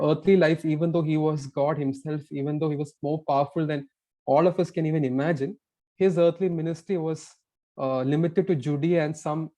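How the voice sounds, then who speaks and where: A male preacher delivers a sermon at a pulpit microphone in a church. His voice sits slightly high but sounds warm and mellow. He explains earnestly and often stops to restart a thought. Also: low-quality recording.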